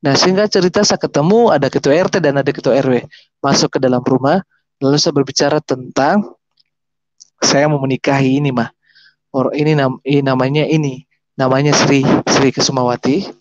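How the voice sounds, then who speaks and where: A man's voice: medium pitch, normal speed, a little hiss or hum. A man in his thirties with a Makassar Indonesian accent, telling his personal testimony in a rambling way, with restarts and fillers. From South Sulawesi, Indonesia. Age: 30s. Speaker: guest sharing a testimony. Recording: dull lo-fi sound.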